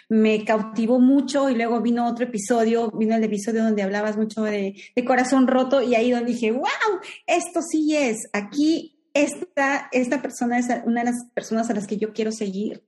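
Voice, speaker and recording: A woman's voice: fairly high pitch, steady tone, moderate pace, darkish tone. A Peruvian woman in her forties, a guest in an interview, talking reflectively with many restarts and fillers. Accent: Peruvian Spanish. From Peru. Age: 40s. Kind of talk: conversational interview.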